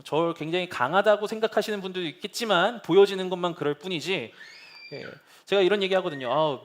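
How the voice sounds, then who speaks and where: A male pastor preaching a sermon in an earnest way, moving from soft consoling words to fervent pleading. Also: high-pitched. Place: church sanctuary.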